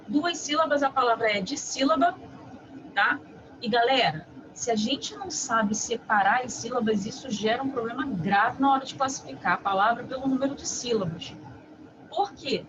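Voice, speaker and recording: A woman teacher giving a review lesson, explaining step by step in a didactic way and often checking in with quick tag questions. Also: a little high. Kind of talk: online lesson. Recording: muffled with steady background noise.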